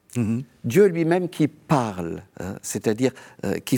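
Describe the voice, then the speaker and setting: In a very clean recording with a silent background and a dry, close sound with no echo, a man with a German accent speaks at a very slow pace at medium pitch, his dark, mellow voice making very wide pitch swings. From Germany, Cologne. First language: German (speaking French). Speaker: Jesuit theology professor. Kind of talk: interview.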